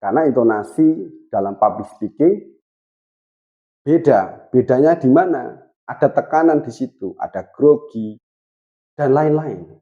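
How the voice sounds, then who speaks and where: A man's voice: mid-range voice, lively intonation, measured pace, long pauses, phone-quality sound. A man in his thirties teaching public speaking, talking straight to his viewers and shifting his intonation on purpose to show how it is done. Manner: varies intonation on purpose to demonstrate. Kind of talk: instructional talk to camera.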